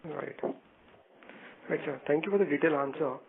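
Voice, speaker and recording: A male analyst with a slightly high voice asks questions over a narrow, tinny phone line. His questioning is formal, polite and deferential. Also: moderate pace, gravelly, a little hiss or hum. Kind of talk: formal conference call questioning. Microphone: telephone conference call.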